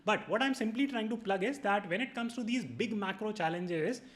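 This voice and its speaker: A man's voice: high-pitched, normal speed, fairly bright tone. A man with a North Indian accent, hosting an explanatory monologue for viewers in a didactic, emphatic way, laying out numbered points. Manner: didactic, emphatic, mixes in Hindi phrases. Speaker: video host and educator.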